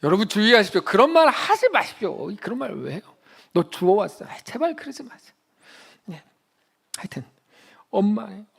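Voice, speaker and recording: A male pastor preaching a Sunday sermon in a church, telling stories and acting out quotes, swinging between loud emphatic peaks and quiet low asides. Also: big pitch swings, fairly quick, gravelly, pauses often, husky. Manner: storytelling, acts out quotes in a child's voice. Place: church sanctuary.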